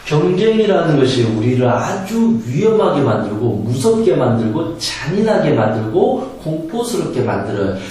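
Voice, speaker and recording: A man giving a spoken lecture on handling anger, emphatic and animated, sometimes acting out angry quotes and laughing. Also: on the high side, normal speed, few pauses. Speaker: meditation and self-help lecturer. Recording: very echoey room from a distance, faint noise.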